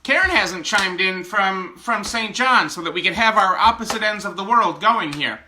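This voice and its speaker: Bright, playful man hosting a livestream. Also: sits high, animated, moderate pace, slight background noise. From upstate New York. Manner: playful, jokey, reads out viewer names. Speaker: livestream host. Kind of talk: casual live chat greeting viewers.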